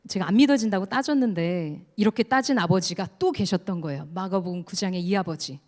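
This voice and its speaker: A woman's voice: mid-range voice, a little mellow. Earnest woman giving a church testimony. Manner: earnest storytelling, leads the congregation in reading. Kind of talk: testimony sermon. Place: church sanctuary. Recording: long church hall reverb.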